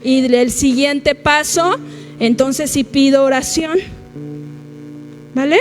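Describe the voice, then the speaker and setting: A woman's voice: high-pitched, slow, faint music behind. A woman with a Mexican accent preaching a sermon to her congregation, emphatic and direct, calling out to the listeners. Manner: emphatic, addresses the congregation directly, acts out quoted prayers. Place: church.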